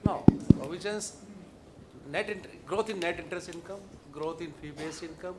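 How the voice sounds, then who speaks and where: A man's voice: a little high, moderate pace. A man with an Indian accent answering questions as a bank executive, emphatic and repeating words. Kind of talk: question-and-answer with press or analysts. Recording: clear background noise, room ambience.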